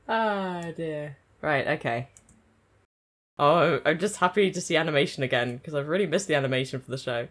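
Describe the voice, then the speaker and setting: A woman giving excited, gushing reaction commentary as she watches an anime episode, speaking into her own microphone. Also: deep voice, moderate pace, pauses often. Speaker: anime reaction channel host. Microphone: own desk microphone.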